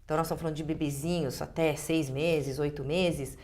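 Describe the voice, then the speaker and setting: A woman's voice: low-pitched, steady tone, fairly quick, a little mellow. A Brazilian woman speaking as a guest dentist, explaining clinical practice conversationally and restating phrases for emphasis.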